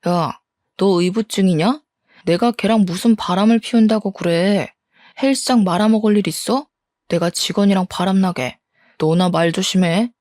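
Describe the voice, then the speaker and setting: A woman's voice: mid-range voice, normal speed, a little mellow, no echo, studio quality, close to an everyday voice. A woman voicing a defensive, scornful cheating husband in a story reading. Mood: angry. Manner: defensive, scornful, blame-shifting. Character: angry cheating husband, middle-aged man. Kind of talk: storybook role-play.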